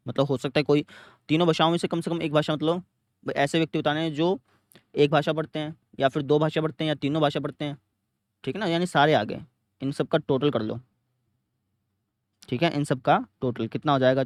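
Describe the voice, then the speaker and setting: A young man with a north Indian Hindi accent teaches a math lesson in a fairly high voice. He explains step by step, repeating each one and asking questions that he then answers himself. The dry recording has clean studio sound.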